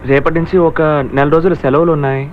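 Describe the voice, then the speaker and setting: A man's voice: a little high, fairly even intonation, rapid-fire, soft background music, lightly acted. A man dubbing an earnest, eager young male lover, often apologetic, in a film dub. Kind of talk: dubbed film dialogue. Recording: dull dubbed film audio.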